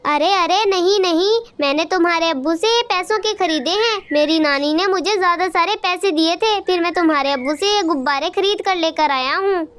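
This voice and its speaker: A woman's voice: extremely high pitch, moderate pace, hardly any pauses, fairly bright tone. A woman voicing a clever, talkative little boy bird in a cartoon, eager and pleading.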